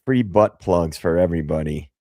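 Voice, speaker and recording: A man hosting a casual livestream, hoarse after a gig, talking loosely and swearing as he jokes with chat. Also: sits low, moderate pace, warm tone, dry recording, clean studio sound. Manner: loose and profane, jokey. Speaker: livestream host.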